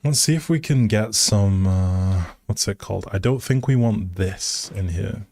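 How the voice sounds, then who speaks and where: Unhurried, low-voiced man streaming casually. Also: creaky, a little mellow, no echo, clean studio sound. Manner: musing aloud, hesitant. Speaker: live streamer. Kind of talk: casual game stream commentary.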